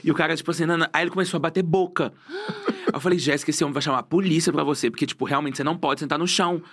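A young man with a Brazilian Portuguese accent, chatting as a guest and telling stories, acting out what people said. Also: fairly high pitch. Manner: fast animated storyteller, acts out quotes. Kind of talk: casual chat.

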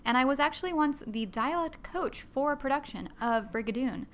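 A woman's voice: high-pitched, expressive, brisk, fairly bright tone, slight background noise. A woman hosting a solo podcast, chatting in a bubbly, self-deprecating way and rambling with many fillers. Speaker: podcast host.

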